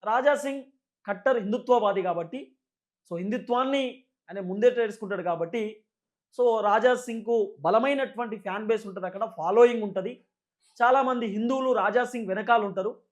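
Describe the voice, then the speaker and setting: Male political commentator, Telangana Telugu accent, very high voice, rapid delivery, emphatic and repetitive explaining. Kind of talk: unscripted political news commentary.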